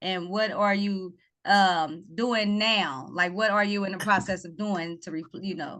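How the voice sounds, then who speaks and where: A normal speaking voice with ordinary pitch variation against a quiet background. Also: woman. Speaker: podcast host and clarity coach. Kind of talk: interview question.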